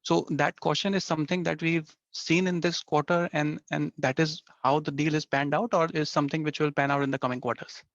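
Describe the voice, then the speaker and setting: A man's voice: fairly high pitch, little pitch movement, a little fast, hardly any pauses, no echo. A man asking questions as an analyst on an earnings call, careful, polite and hesitant, over a dull line. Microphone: phone or conference call line.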